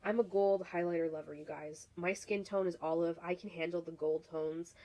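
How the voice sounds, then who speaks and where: A chatty woman reviewing her favorite makeup, talking in a fairly low voice. She gushes, restarts her sentences and fills the gaps with ums. She is still getting over a cold. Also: steady tone, moderate pace, mellow, muffled recording. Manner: chatty, many fillers and restarts, gushing. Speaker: beauty vlogger. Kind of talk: casual product review.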